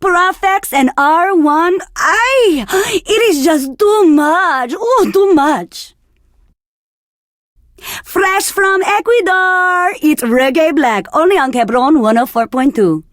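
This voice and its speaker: A woman playing a sultry, flirtatious Latina radio DJ from Argentina in a video game, with breathy, teasing delivery. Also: extremely high pitch, animated, takes it slowly, no room sound, clean studio sound, full character voice. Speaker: radio DJ host.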